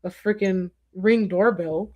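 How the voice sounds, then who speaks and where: At a slow pace and in a slightly mellow, medium-pitched voice, a woman offers casual commentary to her stream viewers. Her talk meanders, with restarts and asides along the way.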